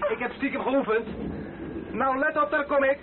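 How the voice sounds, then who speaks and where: A man's voice: very high voice, moderate pace. An actor playing a proud, good-humoured disabled husband and expectant father in a naturalistic radio play, wry and easygoing. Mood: excited, boastful. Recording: tinny, noisy old radio play recording.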